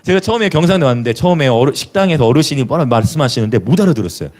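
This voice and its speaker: Lively pastor. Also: male voice, mid-range voice, racing. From Jeolla, South Korea. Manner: lively preaching with rhetorical questions and hallelujahs; chuckles between remarks. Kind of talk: sermon.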